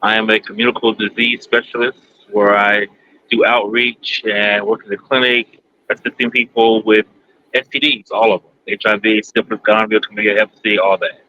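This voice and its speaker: A man in his forties from Kentucky, a guest answering interview questions in a halting, plainspoken way with many pauses. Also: on the low side, flat delivery, bright, forceful tone. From United States, Kentucky. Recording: dull lo-fi sound, faint background noise.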